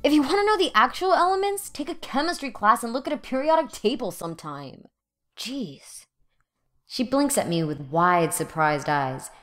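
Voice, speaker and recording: A woman's voice: on the high side, big pitch swings, normal speed, fairly bright tone. A woman playing a cynical, exasperated college student in her twenties, narrating and acting in an audio drama with sarcastic grumbling. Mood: wry, uncertain. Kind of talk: first-person audio drama narration and dialogue.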